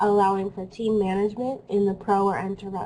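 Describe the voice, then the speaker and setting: A woman talks at a fairly quick pace in a somewhat breathy, dark, mellow tone at medium pitch. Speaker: webinar presenter. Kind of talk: webinar tutorial.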